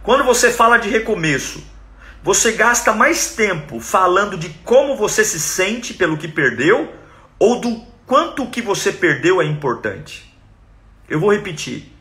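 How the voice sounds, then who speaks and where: A man's voice: high voice, sing-song, unhurried, bright, forceful tone. A man preaching a sermon with a Brazilian Portuguese accent, emphatic and acting out quoted cries with drama.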